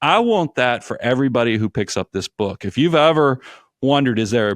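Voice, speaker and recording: A man with a Southern US accent speaks in an animated tone. His medium pitch shows ordinary variation. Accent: Southern twang. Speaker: financial advisor and podcast host. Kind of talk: interview.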